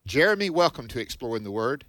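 A man's voice: medium pitch, very animated, fast, a bit bright, no room sound. A man co-hosting an evangelical call-in show, talking in an exhorting way. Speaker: radio call-in co-host.

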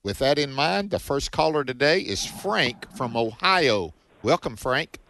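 A man co-hosting a call-in radio Bible show, folksy and warm with callers, calling them brother. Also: medium pitch, lively intonation, measured pace, slight background noise. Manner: folksy, affectionate, calls people brother.

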